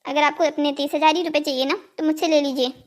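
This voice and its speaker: A woman's voice: sits high, steady tone, quick pace, close to an everyday voice. A woman voicing an anxious mother and wife in a cartoon story, pleading and reproachful. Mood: worried, reproachful. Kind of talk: scripted cartoon story dialogue.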